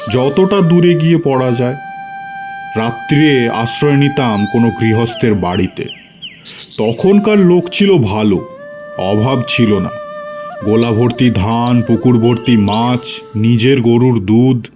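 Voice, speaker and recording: A man narrating a scripted story in a dramatic storytelling style. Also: mid-range voice.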